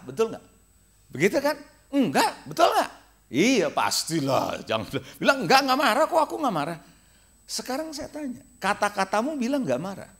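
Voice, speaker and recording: A middle-aged man preaching to young people with a lively, swooping delivery. His voice sits a little high for a man, and he keeps firing questions at the crowd and acting out little replies. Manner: animated, quizzing the crowd with questions; acts out quoted replies in a higher voice. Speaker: pastor. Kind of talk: lively youth sermon.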